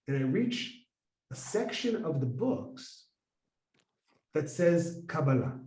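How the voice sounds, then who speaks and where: Animated man telling a story in an echoey hall. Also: on the high side, slow, recorded from a distance. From United States. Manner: animated, acts out dialogue, many fillers. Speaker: Kabbalah teacher. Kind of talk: storytelling talk to an audience. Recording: echoey room, voice from afar.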